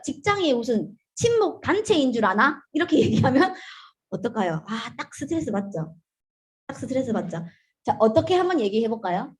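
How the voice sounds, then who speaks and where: Animated woman lecturer. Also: fairly high pitch. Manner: animated, often restarts with "자" and rhetorical questions. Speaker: business seminar lecturer. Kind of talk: seminar lecture.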